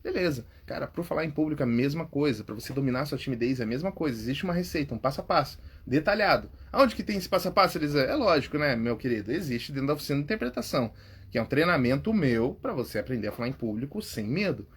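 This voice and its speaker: Husky, quick-talking Brazilian man. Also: on the high side, animated. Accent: Brazilian Portuguese. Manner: chatty, says "cara" and "tá?" often, laughs at himself. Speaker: podcast host and public speaking coach. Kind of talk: casual coaching monologue.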